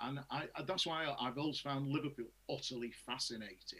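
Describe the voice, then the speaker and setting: Speaking with a Cheshire accent, a man uses a bright, sharp tone at a moderate pace with fairly even intonation. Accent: northern English, Cheshire. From northern England. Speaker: Labour party activist. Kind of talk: casual panel discussion.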